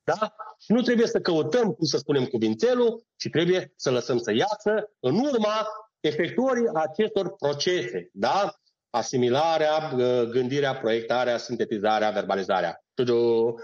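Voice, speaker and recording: A man's voice: a little high, expressive, a little mellow. A man, an acting teacher on a podcast, explaining in a didactic way, listing steps and checking in with his listener. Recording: dull lo-fi sound.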